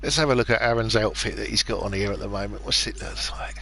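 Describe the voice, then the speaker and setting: A man's voice: on the low side, steady tone, quick pace, vocal fry, pushed and bright, slight background noise. A man doing casual, jokey race commentary who laughs often. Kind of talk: casual sim-racing commentary.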